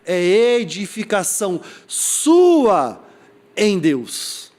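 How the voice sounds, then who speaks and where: A man's voice: high-pitched, very slow. A young adult man from Brazil preaching a sermon, telling a funny personal story and acting out the voices of the people in it. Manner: animated storyteller acting out quoted voices, laughing at himself. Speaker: pastor.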